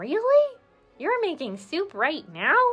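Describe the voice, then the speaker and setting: A woman performs a put-on character voice at an extremely high pitch. She speaks at a fairly slow pace while faint music plays in the background. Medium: read story.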